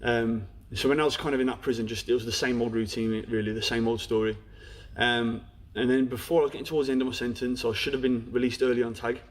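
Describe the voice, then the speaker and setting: A young man with a Black Country accent, a guest on a podcast, candidly tells his life story. His mid-range voice stays level while he talks quickly with few pauses, and he frankly spins the tale with plenty of "you know".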